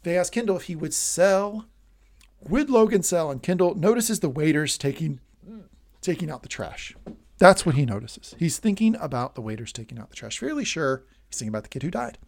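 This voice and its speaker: A man co-hosting a casual show recap, talking excitedly and swearing freely. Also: a little high, brisk, gravelly. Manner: excitable, swears freely, acts out scenes loudly. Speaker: podcast co-host.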